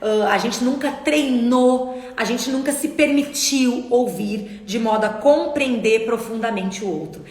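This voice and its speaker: A woman's voice: a little high, unhurried, darkish tone. A middle-aged woman, hosting a casual motivational live talk, chatty and talking straight to her audience. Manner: chatty, asks the audience, reads comments aloud. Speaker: live stream host and speech therapist. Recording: echoey room with long reverb.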